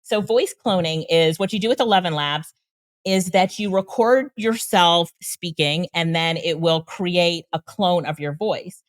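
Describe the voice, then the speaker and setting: A woman's voice: on the low side, a little slow, no echo. A woman guest on an interview show, explaining tools with enthusiasm and frequent laughs. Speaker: guest, AI trainer and consultant. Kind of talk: casual interview talk.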